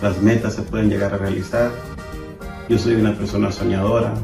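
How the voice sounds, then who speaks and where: A man with a low, gravelly and flat voice talks in a slow, heartfelt way. He sounds roomy and set back from the mic, with guitar music under him. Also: recorded from a distance. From Guatemala. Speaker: interviewee.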